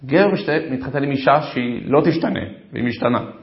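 A man in his forties giving a humorous talk on marriage, telling stories about himself and speaking straight to his listeners. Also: mid-range voice. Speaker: lecturer on marriage and self-improvement. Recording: roomy echo, dull lo-fi sound.

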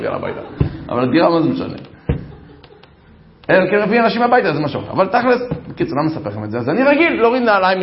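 Gravelly man giving a lively talk. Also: medium pitch. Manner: lively storytelling, jokes about himself, speaks straight to listeners. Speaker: lecturer on marriage and self-improvement. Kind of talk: humorous talk to an audience. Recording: roomy echo, dull lo-fi sound.

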